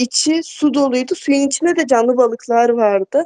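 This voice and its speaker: A woman speaks in a high pitch. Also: dry, close sound with no echo. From Uşak, western Turkey. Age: 20s. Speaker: university student, listener guest. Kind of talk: casual chat.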